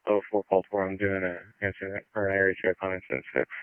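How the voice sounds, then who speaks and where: A man's fairly low voice comes through a crackly, narrow walkie-talkie channel, with no room sound at all. He is a police officer reading out call codes and numbers in a clipped, matter-of-fact way. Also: flat delivery, quick pace, clean tone, dry recording. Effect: over a walkie-talkie radio. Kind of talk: terse radio traffic in call codes. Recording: tinny narrow-band radio, dry.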